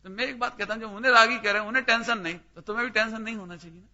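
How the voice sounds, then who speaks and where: Guy teaching a scripture class, really bright piercing voice, keeps quizzing people by name, muffled lo-fi audio. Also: high voice, steady tone, racing. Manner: questioning listeners by name, emphatic. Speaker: religious teacher. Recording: dull lo-fi recording.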